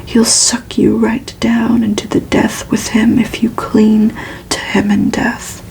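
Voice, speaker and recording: A woman's voice: a little high, completely flat delivery, slow, vocal fry, darkish tone, full character voice, poor audio. A woman voicing a domineering, impatient male vampire mentor from a gothic novel in a curt, commanding whisper. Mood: stern warning.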